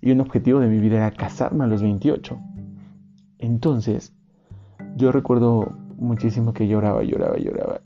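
A man's voice: medium pitch, sing-song, moderate pace, gravelly, mellow. A man, telling a personal testimony in an earnest, rambling, reflective way. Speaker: storyteller. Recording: dull recording with faint guitar music.

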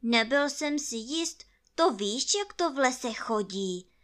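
Woman voicing a prim little rabbit, fussy, polite, bright, lively. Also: sits high, voice pushed up. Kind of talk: storybook reading.

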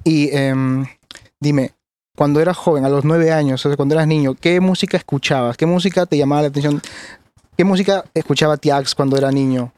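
Interviewer, man, slightly high pitch, encouraging, keeps the guest talking. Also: steady tone, brisk, darkish tone, smooth, dry recording. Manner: encouraging, frequent backchannel "ujú". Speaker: podcast interviewer. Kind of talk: casual interview.

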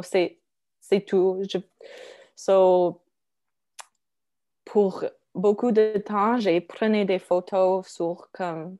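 A woman appearing as an interview guest chats casually in halting French, searching for words and slipping back into English, her native language, with an English-speaking accent. Her voice sits on the low side with a dark tone.

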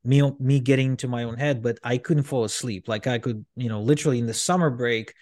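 A man from Ukraine talks at an ordinary pitch for a man, looping through his story with restarts and "um"s. He is an interview guest, and his voice sits close and dry with no room sound. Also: fairly even intonation, brisk, a little mellow, dry recording. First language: Russian. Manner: rambling, frequent restarts and fillers. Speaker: podcast guest, entrepreneur.

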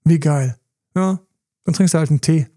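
A man's voice: on the high side, moderate pace, dark tone. A middle-aged man hosting a podcast as a relationship coach, talking casually and acting out inner voices as he tells stories.

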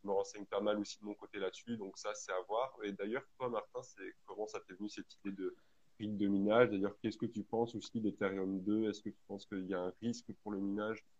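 A man's voice: fairly low pitch, level tone, a little fast, a little mellow. A young man hosting a casual live stream, explaining at length with many fillers. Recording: lo-fi online audio.

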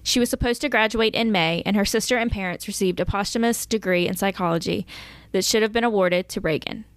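A woman's voice: medium pitch, fast talker, no echo. Woman reading case notes on a podcast. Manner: reads case notes, breaks into laughter. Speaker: podcast co-host. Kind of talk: casual true-crime chat.

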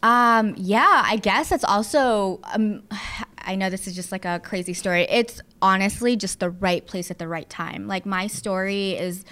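A woman's voice: medium pitch, a bit bright. A woman in her thirties, a producer and studio owner born in the Philippines and raised in Southern California, chatting casually as an interview guest with plenty of fillers and asides.

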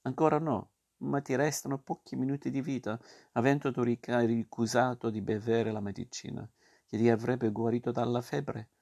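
A man's voice: mid-range voice, fairly even intonation, normal speed, vocal fry, a little mellow. A man reading a storybook aloud and voicing a big black rabbit undertaker who speaks grimly and matter-of-factly.

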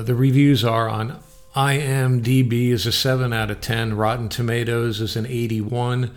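A man with a medium-pitched voice hosts a radio show, delivering film review commentary. His talk moves between scripted narration and casual opinion, with music playing along.

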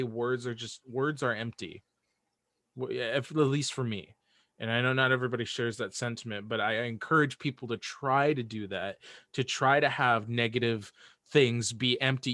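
A man with a medium-pitched voice talks as a guest in a casual, opinionated discussion. He is earnest and repeats himself to press a point, in a dry recording. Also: a bit bright, no echo. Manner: earnest, repeats phrases for emphasis. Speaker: podcast guest.

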